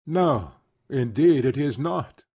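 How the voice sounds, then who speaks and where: A man playing a courteous, reserved gentleman colonel in a dramatised classic novel, formal and restrained, with a husky voice. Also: mid-range voice, animated, slow, exaggerated voice. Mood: guarded.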